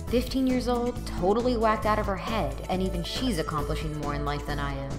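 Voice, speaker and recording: A woman playing a cynical, exasperated college student in her twenties, narrating and acting in an audio drama with sarcastic grumbling. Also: fairly low pitch. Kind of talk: first-person audio drama narration and dialogue.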